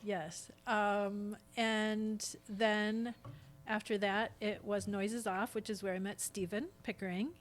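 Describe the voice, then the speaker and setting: A woman's voice: medium pitch, level tone, slow, faint music behind. Chatty woman, a podcast guest. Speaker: guest, stage actress. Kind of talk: casual podcast interview chat.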